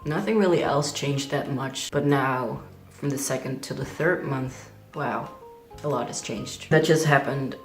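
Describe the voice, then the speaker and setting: A man's voice: mid-range voice, a little slow, echoey room, faint music behind. A young trans man talking candidly in a casual video diary, chatty and full of "like" fillers. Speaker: vlogger.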